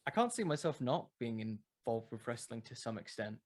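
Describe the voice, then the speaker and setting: A man's voice: mid-range voice, very animated, moderate pace, a little mellow. A man chatting casually as an interview guest, informally thinking aloud as he answers. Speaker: podcast creator being interviewed.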